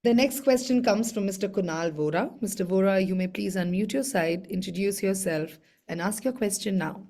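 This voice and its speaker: A woman's voice: mid-range voice, moderate pace, dark tone. A woman moderating a conference call in a formal, scripted style.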